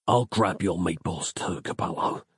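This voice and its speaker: A man voicing a gruff, hard-boiled male detective who speaks in a low, choked-up voice. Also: a little slow, no room sound, studio quality, exaggerated voice. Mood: grieving.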